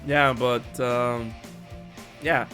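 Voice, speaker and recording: A man hosting a casual gaming chat, excitable and talking fast when heated, stumbling and repeating words as he goes. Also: medium pitch, faint music behind. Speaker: podcast host.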